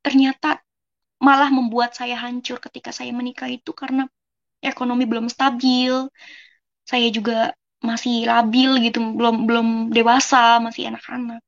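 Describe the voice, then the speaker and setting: A woman's voice: a little high, little pitch movement, moderate pace, creaky, dull audio. A young woman from West Java giving a casual personal testimony, earnestly talking to her listeners as friends. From West Java, Indonesia. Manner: earnest, keeps addressing listeners as friends, acts out dialogue. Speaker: testimony speaker.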